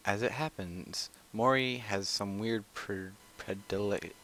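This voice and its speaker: A man reading a visual novel aloud with casual asides, often stumbling, repeating phrases and clearing his throat. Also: on the low side, slow, a little hiss or hum. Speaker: let's player reading a game aloud. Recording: loud music over the voice. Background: loud game music.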